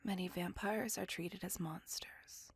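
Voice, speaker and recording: A woman voicing a brooding, possessive female vampire in a whispered ASMR roleplay, speaking in a soft, breathy, gravelly whisper close to the mic. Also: on the low side, fairly even intonation, measured pace, no echo, heavily acted. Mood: brooding confessional. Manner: soft confessional whisper throughout.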